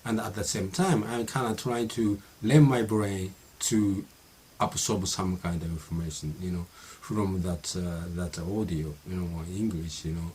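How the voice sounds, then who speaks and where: A middle-aged Japanese man speaking English as a second language in a casual monologue. His speech is halting, full of fillers and restarts. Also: deep voice, steady tone, darkish tone, a little hiss or hum. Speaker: vlogger practicing English.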